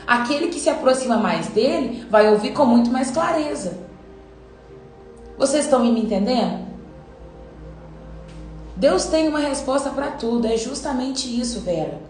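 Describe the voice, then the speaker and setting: A woman's voice: high-pitched, animated, normal speed, long pauses, a little mellow, faint music behind. Earnest woman preaching, echoey. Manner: earnest, acts out quoted voices. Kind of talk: devotional Bible teaching.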